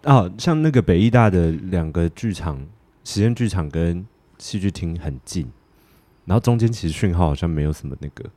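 Male podcast co-host, Taiwanese Mandarin accent, very low register, highly animated delivery, casual joking storyteller. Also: moderate pace. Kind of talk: casual podcast chat about theatre work.

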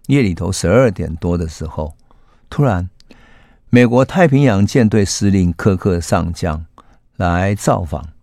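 A man hosting a history podcast, telling a story in a casual narrating voice that rises sharply when he acts out the shouts of the people in it. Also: low-pitched, gravelly, dry recording, clean studio sound. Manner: animated when voicing quoted shouts; casual filler particles between phrases. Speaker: host.

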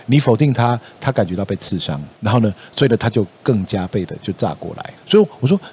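A man with a Taiwanese Mandarin accent hosting a podcast, talking things through in a casual, lively way, filling his sentences with little fillers. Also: lowish voice, quick pace, husky. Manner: lively storytelling, acts out quoted voices, many "哦" and "然后呢" fillers. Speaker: podcast host. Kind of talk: casual explanatory podcast talk.

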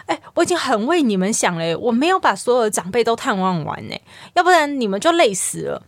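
A woman's voice: on the high side, animated, moderate pace, a bit bright, dry recording. A woman voicing an indignant middle-aged mother who complains about her daughter in a raised voice. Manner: aggrieved, raised voice.

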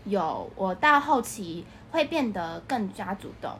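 A woman's voice: medium pitch, expressive, a little slow, fairly bright tone, a little hiss or hum. A young woman with a Taiwanese Mandarin accent, an interview guest explaining things in an agreeable, casual way. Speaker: interview guest, English teacher.

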